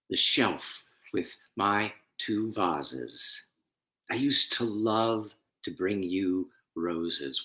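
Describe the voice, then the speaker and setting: A man with a very deep voice speaks at a very slow pace. He has the reflective, halting delivery of a minister introducing and reading a poem. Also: fairly bright tone. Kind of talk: informal spoken introduction and poetry reading.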